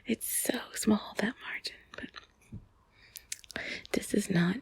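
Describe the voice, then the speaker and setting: A woman whispering softly and intimately in a breathy, husky voice, close to the mic, confiding in a rambling ASMR monologue. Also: mid-range voice, takes it slowly, no room sound. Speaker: intimate audio host.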